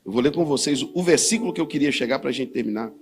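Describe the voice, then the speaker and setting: A pastor with a Brazilian Portuguese accent preaches a sermon at a fast pace. He swings between low, quiet stretches and loud, fiery bursts.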